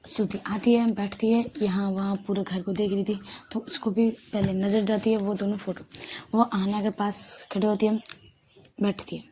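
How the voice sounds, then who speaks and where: A woman storyteller narrates in a relaxed, chatty manner, catching and fixing names as she goes. Her voice sits at an ordinary middle pitch. Faint noise runs in the background. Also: normal speed. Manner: conversational, loose, self-correcting. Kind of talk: casual audio story narration.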